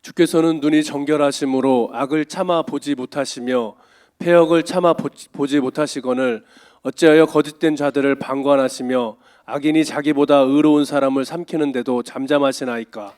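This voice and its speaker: Male reader for a solemn church scripture passage, with a smooth voice pitched a little high. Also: fairly even intonation, moderate pace, a little mellow. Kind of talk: reading scripture aloud.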